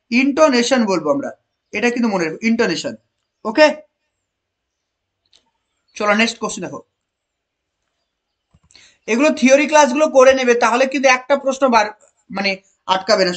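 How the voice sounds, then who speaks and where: In an online exam-prep session, a teacher with a high, slightly bright voice poses questions to the class and goes back over the key answers. Students are praised by name, and the English options are read slowly.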